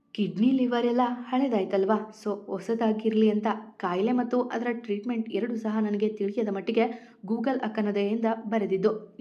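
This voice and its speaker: A woman narrating an emotional serialized story and speaking to her listeners. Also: mid-range voice. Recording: lo-fi recording.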